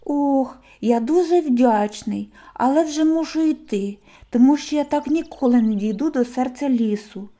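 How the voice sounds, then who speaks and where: A woman voicing an eager, excitable young male hedgehog who exclaims and takes offense easily. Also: a little high, unhurried, close to an everyday voice. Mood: earnest.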